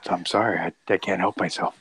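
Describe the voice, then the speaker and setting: A man voicing a dim, folksy office bore who fusses haltingly over break-room rules in improvised podcast comedy. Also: deep voice, fairly even intonation, a bit bright, breathy edge. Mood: plodding, earnest.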